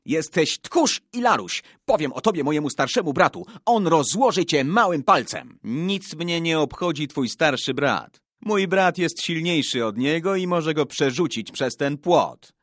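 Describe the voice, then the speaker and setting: A man's voice: lowish voice, sing-song, drawn-out words, pushed and bright, no echo, studio quality, heavily acted. A man voicing cocky, quarrelsome young boys in a story, taunting and boasting childishly. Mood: boastful, threatening. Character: cocky, quarrelsome young boy spoiling for a fight.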